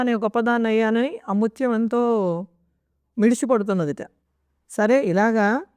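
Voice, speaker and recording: A woman giving a devotional discourse, explaining scripture and telling stories in an unhurried, explanatory way into a close microphone. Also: a little high, a little mellow, no room sound. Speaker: devotional speaker. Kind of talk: religious discourse with storytelling.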